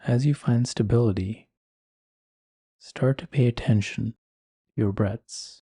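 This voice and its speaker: A man leading a guided meditation in a calm, soothing, unhurried manner, leaving long pauses between phrases. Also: medium pitch, breathy edge, no room sound, clean studio sound. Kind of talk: guided meditation, slow scripted instruction.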